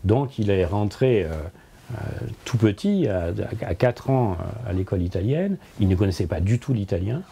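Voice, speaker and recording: In his book-lined office, a French-speaking man in his sixties, a philosopher, is interviewed conversationally. His fairly low voice is expressive, warm and slightly rough, and his thoughtful answers come with frequent hesitations and repeated words.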